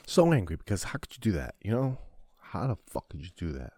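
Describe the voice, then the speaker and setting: Deep voiced guy crying on his podcast, stops and restarts a lot, swears, dead dry sound. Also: very animated, brisk, a little mellow, breathy edge, no echo. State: crying, sniffling. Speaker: podcast host. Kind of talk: emotional confessional monologue.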